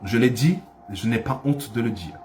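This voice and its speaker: A man's voice: medium pitch, normal speed, darkish tone, soft background music. A man preaching a sermon as pastor, with impassioned delivery that rises to cries and repeats phrases for emphasis.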